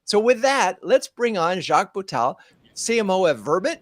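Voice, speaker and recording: A man's voice: sits high, sing-song, normal speed, no echo. A man hosting a live streamed marketing show from his home studio, upbeat, moving from a scripted welcome into chatty questions. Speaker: host.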